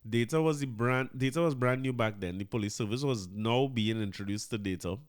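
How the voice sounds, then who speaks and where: A man's voice: medium pitch, brisk, clear, resonant tone, dry recording, studio quality. Chatty Trinidadian man hosting a podcast. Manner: chatty, animated, repeats words, mixes in Trinidadian Creole. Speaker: podcast host. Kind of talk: casual commentary monologue.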